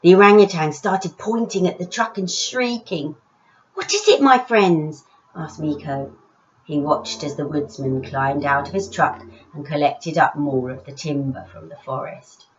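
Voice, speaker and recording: A woman author reading her own story aloud in an expressive children's storytelling style. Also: deep voice, normal speed, dull audio, a little hiss or hum.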